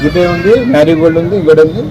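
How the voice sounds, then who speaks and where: A middle-aged man chats briskly as he goes about his day. He speaks as a father, quick and coaxing with his kids. The recording is noisy, with traffic and street sound clearly heard behind him. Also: a little high, steady tone, highs cut off, crowd noise. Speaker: vlogger and father. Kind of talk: casual family vlog chat.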